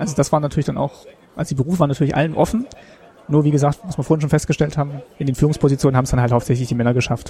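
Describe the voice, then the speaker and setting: A man talks at a very fast pace in a fairly high, somewhat breathy voice. His tone is dark and mellow, with fairly even intonation. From Gera region, Thuringia, East Germany. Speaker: podcaster. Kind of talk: casual chat. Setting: walking around a museum.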